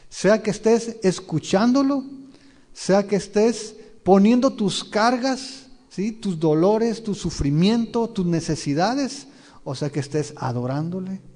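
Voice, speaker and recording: Pastor in a reverberant hall. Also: male voice, a little high, warm tone. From Mexico. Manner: questions the listeners directly and retells scenes vividly. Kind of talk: verse-by-verse Bible teaching sermon. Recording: long reverb of a large hall.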